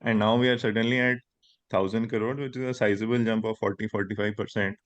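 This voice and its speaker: A man's voice: on the low side, fairly even intonation, a little fast, no room sound. A man with an Indian accent putting questions to company management as an investor on an earnings call. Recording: dull, dry conference line.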